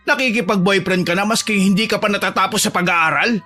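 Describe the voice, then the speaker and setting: A man's voice: high-pitched, quick pace, pushed and bright. A man voicing a strict, angry father scolding and threatening his daughter, over faint music.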